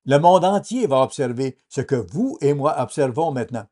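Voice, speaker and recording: Mellow-voiced man dubbing a sermon. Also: mid-range voice, animated, normal speed. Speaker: sermon translator. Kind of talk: dubbed sermon voice-over.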